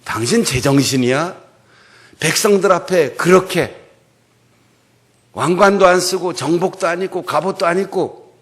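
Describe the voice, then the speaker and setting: A male preacher voicing a scornful, sharp-tongued royal wife who mocks and scolds in a raised voice. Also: lightly acted. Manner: mocking, scolding, shrill.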